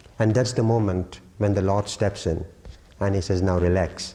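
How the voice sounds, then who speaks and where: Here a man speaks at a fairly low pitch with a dark, mellow tone that is somewhat breathy. His pace is moderate and his intonation fairly even. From India. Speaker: merchant seaman; storyteller. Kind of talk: spiritual talk to a retreat audience. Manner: humorous.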